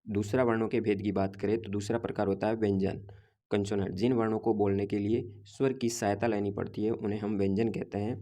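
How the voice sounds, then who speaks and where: Low, flat-voiced man teaching grammar. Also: brisk. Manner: steady explaining, reciting letters one by one. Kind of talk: grammar lesson lecture.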